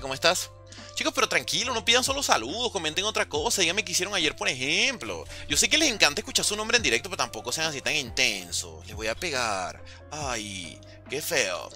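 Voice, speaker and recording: A bright, lively man streaming a zombies game, chatting with viewers and breaking into excited repeated cries of alarm. His voice is bright and animated, with faint music under it. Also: a little high. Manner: chatty with viewers, thanks donors. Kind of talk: live gameplay commentary, reading chat.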